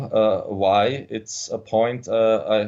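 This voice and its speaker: A man with a German accent speaks at a very slow pace. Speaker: politician. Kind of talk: interview. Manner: halting, repeating words.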